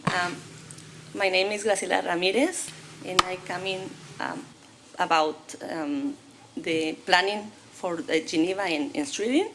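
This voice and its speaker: A woman giving public comment in halting English, often searching for words. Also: on the low side, background noise. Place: city council chamber.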